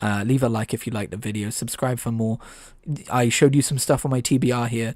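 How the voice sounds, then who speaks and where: Speaking very fast, a man uses a medium pitch. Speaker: book youtuber. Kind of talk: casual vlog talk. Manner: hesitant, filler-heavy.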